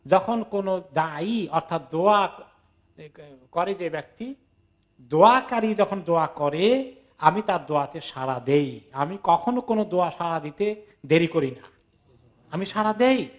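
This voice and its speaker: A man's voice: high voice, lively intonation, unhurried. A man explaining Quran commentary in a conversational sermon, acting out little dialogues and mixing in English words. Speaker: Islamic teacher giving Quran tafsir. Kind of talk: sermon-style lecture with acted anecdotes.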